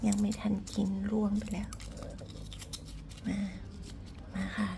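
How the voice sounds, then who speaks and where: A woman whispering quietly and breathily, as if late at night, giving soft ASMR commentary while she eats. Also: mid-range voice, completely flat delivery, unhurried, creaky, noisy background. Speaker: ASMR eating show host.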